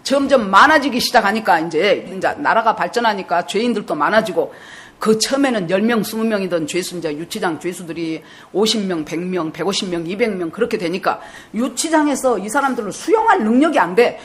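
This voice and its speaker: A woman's voice: medium pitch, lively intonation, fairly quick. A woman pastor in her sixties with a Jeolla dialect, telling a story in a sermon and putting questions to her congregation. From South Jeolla, Korea. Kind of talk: sermon with personal testimony.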